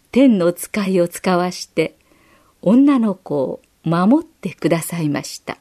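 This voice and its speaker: A woman gently reading a children's Bible story aloud as scripted narration. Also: mid-range voice. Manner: gentle, expressive reading with acted quotes.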